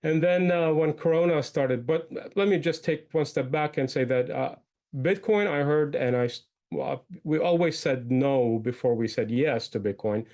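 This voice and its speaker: A man's voice: on the high side, moderate pace, a little mellow. A man from Iraq who moved to the United States young, speaking as an interview guest in a conversational, explanatory way. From born in Iraq, moved young to the United States. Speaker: guest, entrepreneur and podcaster.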